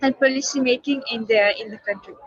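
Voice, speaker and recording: A woman panelist from a youth climate network, speaking hesitantly with many fillers, her voice slightly croaky. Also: a little high, a little fast, dry recording, lo-fi sound. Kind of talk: panel discussion over video call.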